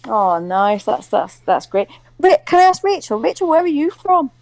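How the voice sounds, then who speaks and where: A woman in her forties from Hull, England, calling in to a live show. She talks in a chatty, excitable way and laughs easily. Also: high-pitched, moderate pace, dry recording. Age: 40s. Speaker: caller. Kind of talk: casual call-in chat.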